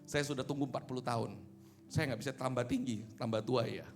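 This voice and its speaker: A man's voice: mid-range voice, brisk, faint music behind. A man preaching a conversational, joking sermon, often checking with listeners through rhetorical questions. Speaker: pastor, preacher.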